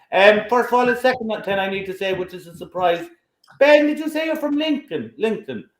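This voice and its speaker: A man's high-pitched voice in an Irish accent, fairly quick, with lively intonation and big swings in loudness. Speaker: computer repair technician. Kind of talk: live show talk.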